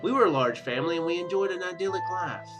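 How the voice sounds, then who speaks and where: With music in the background, a man with a high voice and lively intonation hosts a Let's Play gaming series at a quick pace. He chats casually and reads story text aloud, rambling hesitantly and often correcting himself.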